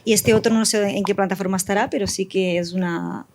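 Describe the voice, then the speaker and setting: A woman's voice: mid-range voice, fairly even intonation, quick pace. Woman on a panel talking shop, mid voice, informal, kinda tentative and rewording as she goes. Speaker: audio fiction writer and panelist. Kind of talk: casual panel discussion.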